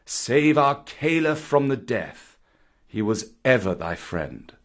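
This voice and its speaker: A man voicing a calm, wise, fatherly panther in a storybook, with measured, consoling, archaic speech. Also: medium pitch. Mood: urgent, hushed. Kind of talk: storybook reading.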